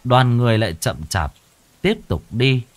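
A man's voice: medium pitch, moderate pace, a little hiss or hum. Dramatic male horror storyteller. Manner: dramatic, expressive, swinging tone.

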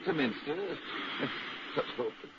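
An actor playing a genial, sceptical gentleman detective in a 1950s radio drama, urbane, wry and measured. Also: medium pitch, lightly acted. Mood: reassuring. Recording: dull, noisy old radio recording.

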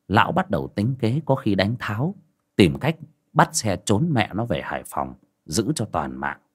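A man narrating a dramatic folk ghost story in an expressive storytelling manner. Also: on the low side. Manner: lively, expressive.

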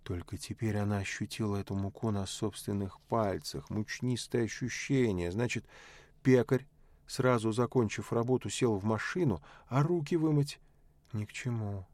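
A man narrating a literary audiobook in a measured, unhurried way. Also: on the low side, darkish tone, dry recording.

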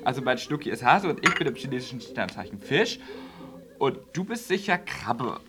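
A man's voice: mid-range voice, big pitch swings, normal speed, crowd noise, lightly acted. A man acting in a comic radio play as a naive, chatty young gay hairdresser, camp and teasing. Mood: bickering.

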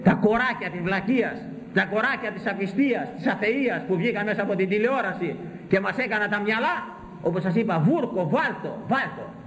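An older man preaching a sermon with a high, lively voice that leaps around as he fires off mocking rhetorical questions. He is recorded in an echoey room with a faint hum behind him. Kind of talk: sermon on scripture.

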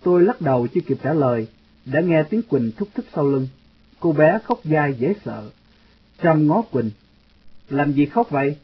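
Man narrating an audiobook, slightly high. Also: very animated, moderate pace, breathy edge. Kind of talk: storytelling narration. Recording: dull lo-fi audio, faint music.

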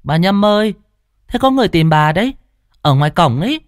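A chirpy young village girl in a storybook calls out quickly in a high voice, as a man puts her on. The sound is dry and close. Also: animated, no echo, lightly acted. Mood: eager.

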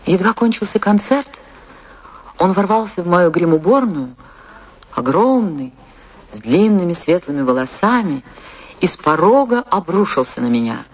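A woman's voice: lowish voice, very animated, breathy edge. An actress playing a dreamy, proud, passionate woman dancer recalling her life in a poetic, theatrical radio monologue. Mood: reminiscing. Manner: dramatic, poetic, deliberate delivery with long pauses.

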